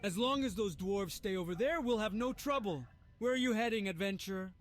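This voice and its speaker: A man voicing a friendly female flight master in a video game, soft and welcoming. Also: high voice, brisk, soft background music, pitched above the performer's own voice, close to an everyday voice.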